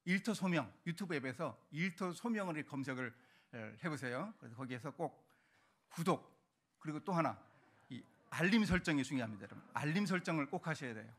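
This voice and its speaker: A middle-aged male pastor preaching a sermon to his congregation, animated and emphatic, sometimes shouting for emphasis. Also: on the high side, brisk, breathy edge. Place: church sanctuary.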